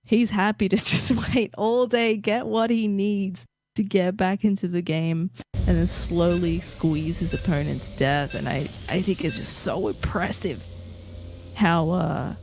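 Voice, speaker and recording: A woman casting a live esports match, giving steady, analytical commentary on the play. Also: lowish voice, measured pace, soft background music. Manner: steady, analytical, with light laughs. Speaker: esports caster.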